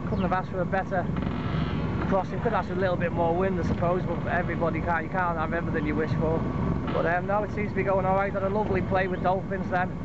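The speech comes at a very fast pace. Loud background noise runs underneath. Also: man, dry sound with no echo. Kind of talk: casual vlog chat. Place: boat. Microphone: phone near.

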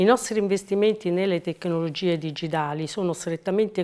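The background is quiet. A woman speaks at a fairly low pitch with ordinary pitch variation. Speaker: company executive. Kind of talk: interview. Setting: stage with audience. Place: studio. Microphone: lapel.

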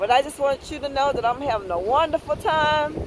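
High-pitched woman with ordinary pitch variation, a dry sound with no echo, and noticeable background noise. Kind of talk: casual vlog chat. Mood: cheerful, appreciative. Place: beach. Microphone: phone near.

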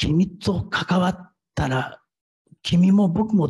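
A man talks in a high-pitched voice. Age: 60s. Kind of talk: panel discussion. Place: hall.

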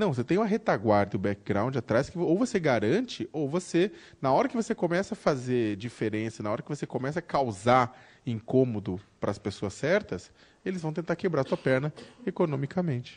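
A man speaks fairly quickly, his pitch swinging very widely, with a quiet background behind him. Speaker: journalist and blogger. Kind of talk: panel debate. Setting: stage with audience.

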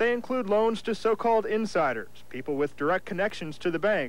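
This man's pitch swings very widely. His pace is moderate. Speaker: TV news reporter. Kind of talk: news report.

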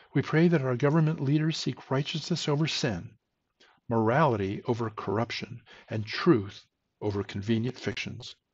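A somewhat breathy man at a moderate pace against a quiet background. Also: medium pitch for a man. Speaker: church prayer leader. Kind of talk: devotional reading followed by fervent prayer. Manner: earnest, solemn, fervent prayer tone; formal, measured devotional delivery. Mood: calm, solemn, earnest. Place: office. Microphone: headset.

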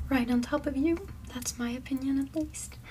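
A soft-spoken woman talks at a moderate pace in a gentle tone. Light background noise is audible. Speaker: ASMR creator. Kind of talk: ASMR perfume shop roleplay, personal attention. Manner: soft-spoken, gentle. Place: home room.

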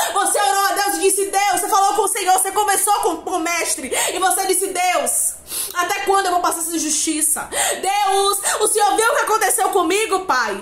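A woman talks in an animated tone at an extremely high pitch, moving at a moderate pace with hardly any pauses. Audible room echo and light background noise are present. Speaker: preacher. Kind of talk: sermon. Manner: animated, exhorting, fervent; repetitive, rhythmic, with frequent hallelujahs. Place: home room. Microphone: phone near.

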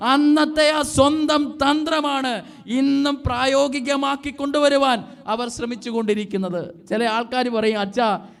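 A man speaks at an extremely high pitch with ordinary pitch variation. Noticeable background noise and audible room echo fill the recording. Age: 50s. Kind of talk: public speech. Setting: stage with audience. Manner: formal.

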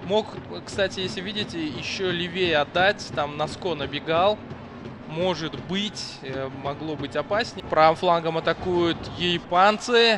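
High-pitched male speech at a very slow pace, ordinary pitch variation, noticeable background noise behind it. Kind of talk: live football commentary over match highlights.

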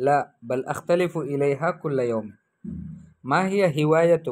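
Pitch variation is ordinary. It is a plain, everyday voice. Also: man. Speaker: Arabic language teacher. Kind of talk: tutorial.

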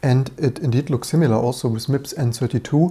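This man's voice is somewhat breathy. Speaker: tech vlogger. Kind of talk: tutorial commentary. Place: office. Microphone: phone near.

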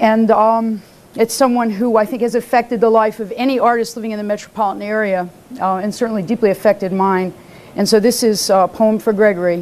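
A woman at a fairly quick pace, her intonation fairly even. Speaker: poet giving a reading. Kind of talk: poetry reading. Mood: grieving, solemn. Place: hall. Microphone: podium.

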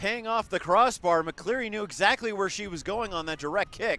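A man speaks in a raised, projected voice, and the sound is dry with no echo. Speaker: soccer commentator. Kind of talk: live play-by-play soccer commentary. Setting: broadcast of a match at the stadium. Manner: knowledgeable, analytical, explaining tactics between plays.

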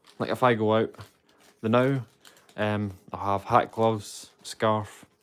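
This man speaks in a relaxed tone with a Scottish accent. His pitch is fairly low and his intonation fairly even. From Scotland. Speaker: origami artist and streamer; streamer. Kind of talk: casual live-stream chat. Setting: home live stream. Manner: relaxed, hesitant with many fillers.

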